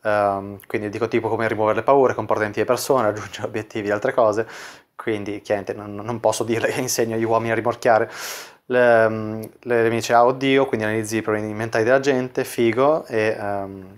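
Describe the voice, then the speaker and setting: A man's voice: fairly low pitch, flat delivery, brisk. A man working as a dating coach, casually explaining chat screenshots and leaning on filler words as he talks. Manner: casual, full of "quindi" fillers.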